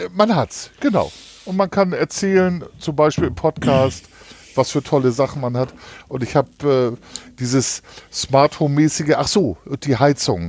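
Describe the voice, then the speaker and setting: The recording is dry and close with no echo, carrying a normal speaking voice from a man. He talks at a fairly slow pace, fairly high in pitch, with lively intonation. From northern Germany. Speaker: podcast co-host. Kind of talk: casual chat.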